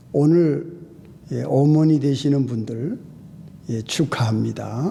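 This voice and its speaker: Very slow speech in audible room echo, with noticeable background noise. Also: man. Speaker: pastor. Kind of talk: sermon. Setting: church. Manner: formal. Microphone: voice sounds weak or quiet through the sound system.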